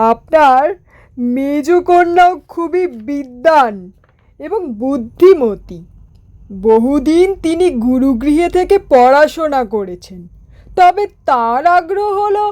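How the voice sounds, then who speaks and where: A woman voicing an eager, fawning, food-loving royal minister in a cartoon fairy tale, with drawn-out, deferential phrasing. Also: high voice, darkish tone. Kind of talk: Bengali animated fairy-tale dialogue.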